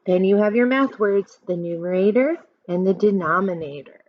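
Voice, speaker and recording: A woman in her thirties reading a children's book aloud like a teacher, expressive and instructive, pausing to explain. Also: medium pitch. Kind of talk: read-aloud storytelling with explanations. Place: small furnished room indoors at home. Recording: dull lo-fi webcam sound.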